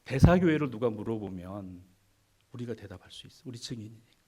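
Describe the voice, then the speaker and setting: A male pastor preaching a sermon, animated and teasing, with sudden drops to a hush. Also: lowish voice, brisk, husky. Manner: animated preaching, swings from loud to hushed, teasing the congregation.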